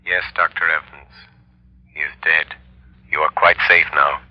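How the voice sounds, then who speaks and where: An actor voicing the Shadow, a calm, all-knowing male detective, in a 1930s radio drama with a measured, authoritative manner. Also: rumbling low. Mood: calm, assured. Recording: muffled old radio recording.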